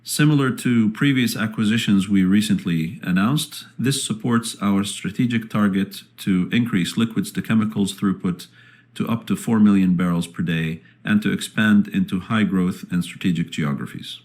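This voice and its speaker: Man, low-pitched voice, company executive, formal, measured, scripted earnings call delivery. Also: a little mellow. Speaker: company executive presenting results.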